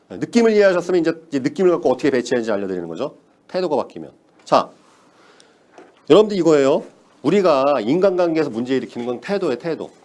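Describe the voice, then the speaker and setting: A man's voice: a little high, darkish tone. A man giving a motivational sales lecture, emphatic, repeating key words and asking the audience rhetorical questions.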